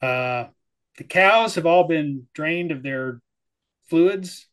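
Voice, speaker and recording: A man from the Texas-Oklahoma area, a player recapping a tabletop game in casual chat, halting and repeating words. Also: a little high, a bit bright, clean tone.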